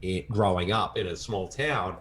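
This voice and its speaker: A man's voice: sits low, normal speed, fairly bright tone, a little hiss or hum. An Australian man chatting casually as a film reviewer, enthusiastic and rambling, with lots of filler words.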